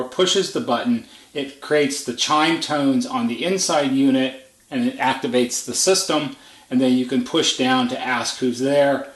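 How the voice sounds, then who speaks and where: A man giving an unscripted, detailed product walkthrough in a matter-of-fact, explanatory way, like a service technician. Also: medium pitch. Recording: echoey, roomy indoor sound.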